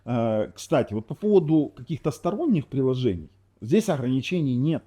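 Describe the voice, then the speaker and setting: Here the Ukrainian-born reviewer sounds mellow with a breathy edge, speaking at normal speed in a sing-song, mid-range voice. He wanders through a casual TV box demo, fixing his own words and slipping in sarcasm.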